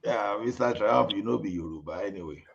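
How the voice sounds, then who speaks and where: Gravelly animated guy mixing in yoruba, sounds dull and lo-fi. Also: fairly low pitch, fairly quick. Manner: laughing, mixes Yoruba and pidgin. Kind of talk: casual panel banter.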